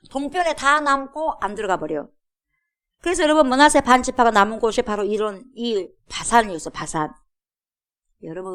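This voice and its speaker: A woman's voice: a little high, fairly bright tone. A woman pastor preaching a sermon in a church, emphatic, firing rhetorical questions at the congregation and acting out quotes. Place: church sanctuary.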